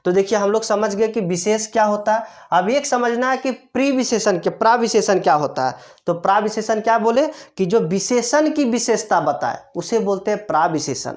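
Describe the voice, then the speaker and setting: A woman's voice: medium pitch, expressive, normal speed, hardly any pauses. Woman teacher quizzing herself aloud. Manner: asks rhetorical questions and answers them herself, repeats key terms. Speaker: grammar teacher. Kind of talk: classroom-style explanation.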